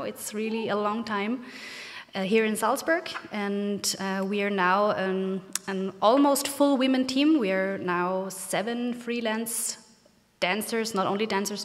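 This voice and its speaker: A woman from Austria, hosting a casual interview in an upbeat, chatty way. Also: mid-range voice. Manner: chatty, upbeat, laughs between remarks. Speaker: host, dance festival organizer. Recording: reverberant hall sound.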